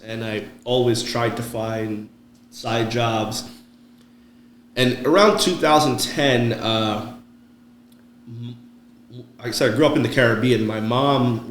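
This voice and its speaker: Middle-aged male podcast guest, lowish pitch, conversational storyteller, echoey room with faint noise. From Trinidad. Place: indoor room, podcast recording.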